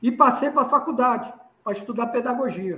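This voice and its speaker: The intonation is fairly even. Audible echo fills the room. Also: man. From Rio de Janeiro, Brazil (Padre Miguel, Bangu). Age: 50s. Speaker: football coach. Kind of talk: interview.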